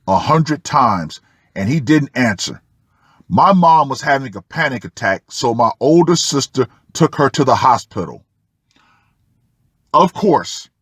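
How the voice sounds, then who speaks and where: Slow-talking man reading aloud, dry recording. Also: mid-range voice, a bit bright, husky, no room sound. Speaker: host of a commentary channel. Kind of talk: reading a personal post aloud with asides.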